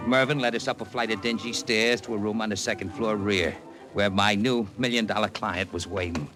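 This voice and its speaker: A man's voice: lowish voice, fairly even intonation, a little fast, over music. A man narrating and acting as an eager, fussy talent agent in a 1940s radio drama. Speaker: narrator and lead character, an agent. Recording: noisy old radio transcription.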